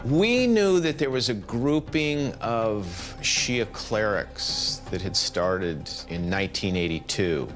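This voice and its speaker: Male interviewee, very deep voice, ex-intelligence officer, plain-spoken with hesitations. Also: a bit bright. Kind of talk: interview recollection.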